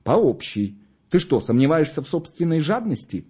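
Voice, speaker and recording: A man voicing a young office schemer who rattles off plans in a hurried voice. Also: a little high, very animated, mellow, slightly rough, highs cut off, voice pushed up, exaggerated voice. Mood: scheming. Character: pushy, fast-talking young male office schemer.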